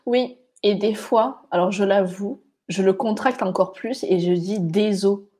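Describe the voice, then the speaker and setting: A young woman from Marseille co-hosting a casual podcast lesson, relaxed and self-deprecating with light laughs. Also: mid-range voice, unhurried. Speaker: podcast co-host.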